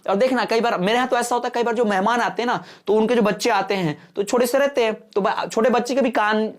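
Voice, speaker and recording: A man's voice: high-pitched, fast. A male exam-prep teacher giving an online lesson in mixed Hindi and English, explaining patiently and often checking whether the students have understood.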